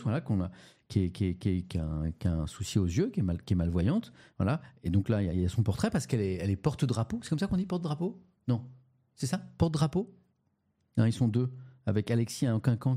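A man hosting a casual live-stream review of the morning papers. He speaks haltingly, often restarts and repeats words, and asks his audience questions. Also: on the low side, warm tone.

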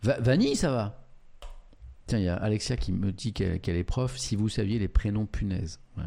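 A man's voice: medium pitch, creaky, mellow. A man, streaming live and reading out and reacting to viewer chat in a chatty, amused way.

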